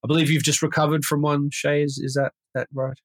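A man with an Australian accent sounds nasal from a cold as he hosts a casual podcast. He rambles a little, restarting phrases as he goes. His voice sits a touch high for a man and is recorded dry and close, with no room sound. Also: flat delivery, fairly quick, no echo. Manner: chatty, rambling, with many restarts. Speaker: podcast host. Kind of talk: casual conversational podcast chat.

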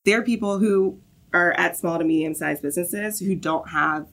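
A woman's voice: on the low side, moderate pace, a bit bright. A woman from the Southern US, a guest on a podcast interview, explaining her work fluently and often checking in with "right?". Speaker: guest, marketing lead.

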